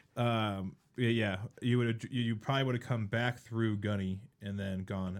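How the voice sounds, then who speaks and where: A man speaks with an East Coast American accent. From US East Coast. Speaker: podcast co-host, sports bettor. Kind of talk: casual chat.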